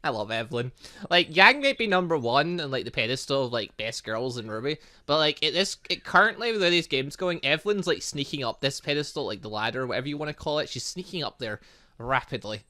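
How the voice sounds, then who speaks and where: A man's voice: medium pitch, expressive, a little fast, bright, forceful tone. A man giving casual, rambling let's play commentary as a gaming YouTuber, chatting away and often interrupting himself.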